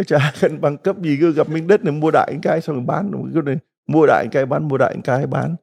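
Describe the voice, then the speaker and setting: A man's voice: a little high, fairly even intonation, fast, gravelly, a little mellow, husky. A middle-aged man, a Catholic priest, giving a folksy retreat homily full of stories and rhetorical questions to the congregation.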